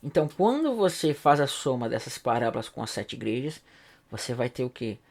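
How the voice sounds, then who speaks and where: A man leads a recorded Bible lesson as pastor. His voice sits in a middle pitch, and he teaches patiently, asking rhetorical questions and adding quick tag questions to check that listeners follow. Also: big pitch swings, creaky, darkish tone. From Brazil.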